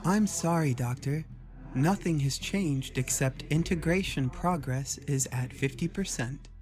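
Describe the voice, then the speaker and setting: Man voicing a formal AI avatar, raised pitch. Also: a little slow, a little mellow, soft background music, close to an everyday voice. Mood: formal reporting. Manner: formal, precise, reporting. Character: polite ghost-like female AI avatar assistant. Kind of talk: acted dialogue in narrated sci-fi story.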